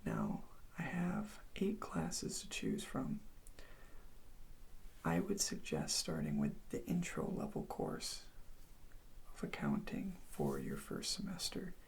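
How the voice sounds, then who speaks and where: Playing a college advisor, an ASMR performer whispers slowly and gently to reassure the listener, her voice breathy and creaky. The pitch is extremely low yet swoops wildly, and the audio quality is poor.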